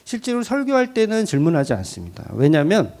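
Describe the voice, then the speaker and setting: A middle-aged man delivers a Sunday sermon from the pulpit of a church. His voice sits high for a man and rises and falls widely as he acts out homely stories. He slips into playful voices for family members, then returns to plain preaching. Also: quick pace. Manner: animated storytelling, acts out his daughters' voices. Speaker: pastor. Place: church sanctuary.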